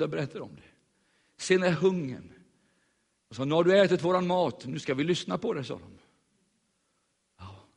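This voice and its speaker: A man with a high voice tells a story from the pulpit, jumping into the voices of the people he met. His sermon rings out with a long hall reverb around it. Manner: animated storyteller acting out voices. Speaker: preacher.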